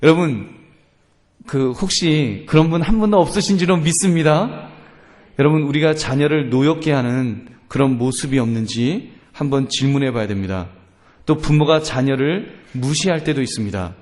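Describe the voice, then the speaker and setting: A man's voice: fairly high pitch, normal speed. A male pastor preaching to his congregation, often asking them questions and acting out parents and children arguing. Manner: addresses congregation directly, acts out family quarrels in lively voices. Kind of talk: sermon.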